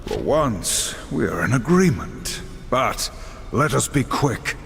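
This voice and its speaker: A man's voice: mid-range voice, sing-song, slow, vocal fry, full character voice. An actor playing a grave, stern horseman warrior in a game cutscene, speaking in a terse, solemn, commanding way. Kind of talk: video game cutscene acting. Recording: long reverb under loud music.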